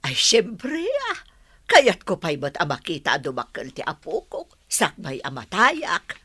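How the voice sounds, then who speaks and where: A woman voicing a stern older mother in an audio drama, sharp when scolding and fond with her children. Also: lowish voice, wildly swooping pitch, measured pace, husky, voice pushed down, exaggerated voice.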